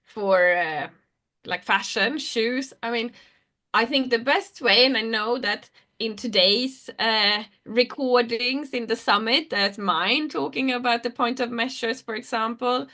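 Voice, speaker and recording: Give me a woman with a crisp, bright tone answering questions on a live video call panel. She talks casually and loosely, letting sentences drift and trail off as she thinks. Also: fairly high pitch, unhurried. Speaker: panel speaker, designer.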